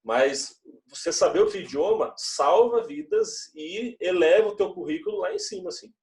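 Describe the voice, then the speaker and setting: In an echoey room, picked up by a distant mic, a young male religious education teacher chats loosely with his students and keeps tacking on tag questions. His voice is high and slightly mellow, with lively intonation and a moderate pace.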